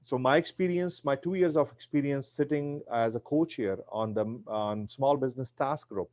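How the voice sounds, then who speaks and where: A man's voice: medium pitch, moderate pace, darkish tone, no room sound. A middle-aged man with an Indian accent, whose first language is Punjabi, answers questions over a video call. He speaks earnestly, restarts and repeats phrases, and his mid-range voice sounds dry and close. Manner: earnest, advisory, repeats himself. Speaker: guest speaker.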